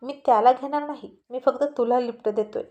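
A woman's voice: on the high side, brisk, mellow, muffled recording, close to an everyday voice. A woman voicing an arrogant, jealous young male college student who talks with a sneer and pushes his point in a storybook reading. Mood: taunting. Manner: sneering, insistent.

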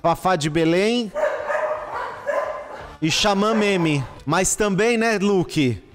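A high-voiced man, talking in an unhurried, drawn-out way while he commentates a live gaming stream. He is excitable, exclaims often and swears at his results. The recording has a long reverb tail and faint music playing behind him. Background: faint background music.

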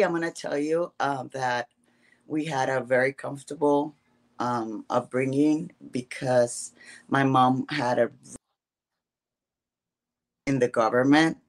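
A woman from Guatemala with a Spanish accent, answering interview questions over a video call in slow, halting speech full of fillers. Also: extremely low pitch. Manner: halting, hesitant, many fillers. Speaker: guest.

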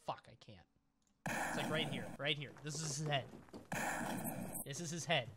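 A man's voice: a little high, unhurried, heavy background noise. A man in his twenties giving casual, playful live game commentary, often repeating short phrases, on a close mic. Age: 20s. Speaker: game streamer. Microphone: boom mic close by, with headset.

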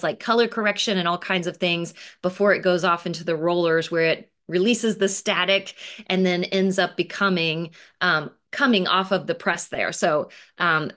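A woman's voice: on the low side, moderate pace, hardly any pauses, fairly bright tone. A woman in her forties speaking expressively as an author, reading aloud and explaining casually to children on a video call. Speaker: picture book author presenting. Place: indoor room with bookshelves, on video call.

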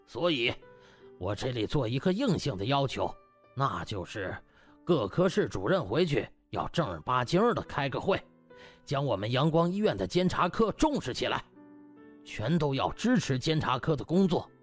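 A man's voice: medium pitch, sing-song, normal speed, soft background music. A man voicing a shrewd older party official in an audiobook, giving pompous, emphatic speeches. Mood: stern, official. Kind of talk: audiobook character acting.

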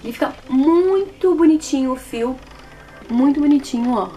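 Casting: Brazilian woman, twenties, high voice, casual and expressive product-review delivery, light music bed underneath. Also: moderate pace. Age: 20s. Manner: expressive, repeats words for emphasis. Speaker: beauty vlogger reviewing products. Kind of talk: casual chat to camera. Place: small plain indoor room.

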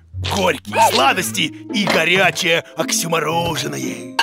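Bumbling monster teacher for kids' cartoon: blustery, exclaiming, very animated, music underneath. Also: male voice, a little high, unhurried, vocal fry. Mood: boastful. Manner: blustery, exclaiming, mangles words. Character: bumbling, boastful big monster who plays teacher, male. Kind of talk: children's cartoon voice acting.

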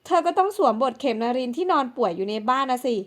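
A woman performs a scheming, spoiled older sister in an audiobook drama. The voice sits high, and she talks in a coaxing yet bossy way, always pushing blame onto others. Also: big pitch swings, fast. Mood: pushy, blaming. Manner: bossy and pushy.

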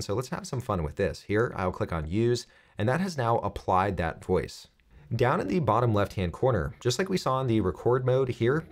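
Lively man presenting a software tutorial. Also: on the low side. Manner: clear step-by-step explaining.

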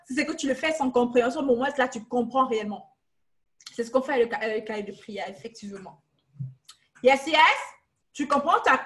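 A young woman leading a Bible study over a webcam from her living room, emphatic and repetitive, slipping English words into her teaching. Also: high-pitched. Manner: emphatic, repeats phrases, mixes in English words. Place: living room, seated in armchair. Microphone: webcam on a video call.

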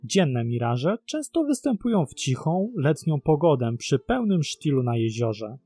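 A man's voice: fairly high pitch, sing-song, measured pace, mellow, breathy edge, no room sound, faint music behind. A man narrating a scripted documentary about mysteries in a dramatic storytelling manner. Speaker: narrator of a mystery web series.

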